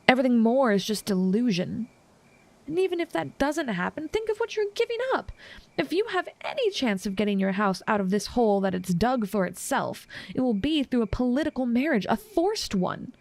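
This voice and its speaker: A woman playing an obsessive, smug assassin smitten with her target, speaking in a teasing, formal, measured and menacing way in an intimate audio roleplay. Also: a little high, creaky, darkish tone, no echo. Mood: taunting.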